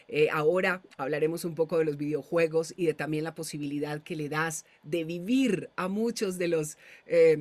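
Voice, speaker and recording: Speaking at a moderate pace with hardly any pauses, a woman uses a fairly low pitch and ordinary pitch variation. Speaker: voice and speaking coach, interview host; speaking coach, interview host. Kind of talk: interview. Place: home room.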